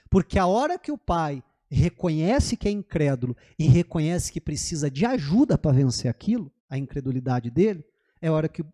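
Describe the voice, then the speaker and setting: A Brazilian pastor preaches in a church, his voice sitting high for a man and leaping through a wide, expressive range. He keeps prodding the congregation with questions and slips into the voices of the people in his story. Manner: animated, acts out quoted voices, asks the congregation questions. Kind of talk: sermon.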